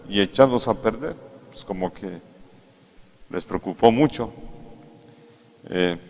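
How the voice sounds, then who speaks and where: A Mexican priest preaching a sermon in an unhurried, conversational way, coming back to key phrases again and again. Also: male voice, on the low side. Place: large cathedral. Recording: echoey cathedral sound.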